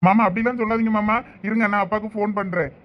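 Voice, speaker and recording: A man's voice: high-pitched, fairly even intonation, rapid-fire, muffled recording, close to an everyday voice. A man with a Thoothukudi Tamil accent voicing an anxious young adult nephew in a cartoon family drama, pleading and placating.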